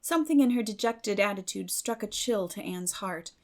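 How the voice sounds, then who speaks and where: A woman narrating a classic novel as a dramatic audiobook, in a measured, expressive storytelling manner. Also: medium pitch.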